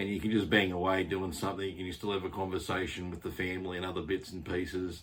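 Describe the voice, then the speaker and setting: Talking at a very fast pace, a man with an Australian accent holds a fairly low pitch in a flat monotone. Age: 50s. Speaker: gaming YouTuber. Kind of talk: casual vlog monologue. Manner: halting, many fillers.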